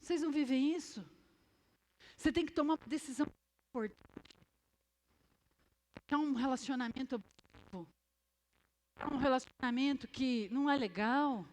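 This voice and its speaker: High-voiced Brazilian woman preaching. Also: moderate pace, long pauses. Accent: Brazilian Portuguese. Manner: animated, acts out scenes and quizzes the crowd. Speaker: youth preacher. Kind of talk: lively sermon. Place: church hall.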